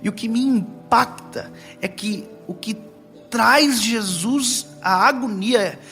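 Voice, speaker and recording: A young man from preaching a sermon, telling lively family stories with playful asides and slow, dramatic pauses. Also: extremely high pitch, soft background music. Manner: animated, storytelling with playful asides and dramatic slowdowns. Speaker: pastor.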